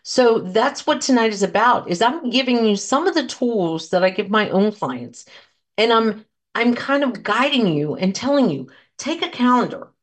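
A woman in her fifties hosting a solo podcast, talking casually and encouragingly, rambling through anecdotes and asides to her listeners. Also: mid-range voice. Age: 50s. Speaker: podcast host and coach.

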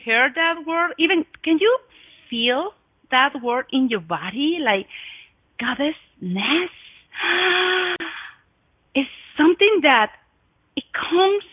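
A middle-aged Mexican woman with a Mexican Spanish accent hosts her own podcast, sharing her story with listeners in a high, expressive voice. She speaks slowly with long pauses, using effusive, breathy gasps and swooping emphasis. The audio is dry and phone-like, without room sound.

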